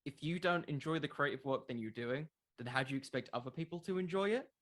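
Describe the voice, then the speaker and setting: A man's voice: fairly high pitch, fast, fairly bright tone. A man in his twenties chatting casually as an interview guest, thoughtful and informal, often hesitating and restarting with filler words. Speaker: podcast creator, interview guest.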